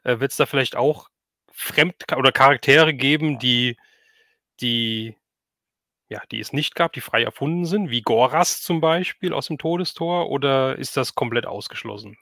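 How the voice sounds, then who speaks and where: A man's voice: medium pitch, normal speed, bright, forceful tone, no room sound, clean studio sound. A man hosting a casual livestream interview, asking rambling questions and often chiming in with agreement. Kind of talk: casual chat.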